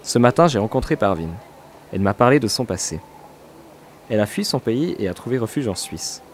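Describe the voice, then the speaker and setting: A man giving calm, scripted documentary narration as a reporter. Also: mid-range voice, a little fast. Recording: voice-over with music behind.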